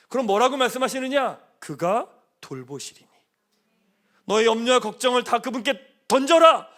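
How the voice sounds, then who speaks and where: An energetic male pastor preaches in a church, and his voice sits high and swoops up and down as he rallies the congregation. He leads them in call-and-response. When he speaks God's promises, he falls to a soft, hushed tone. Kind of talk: sermon. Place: church sanctuary.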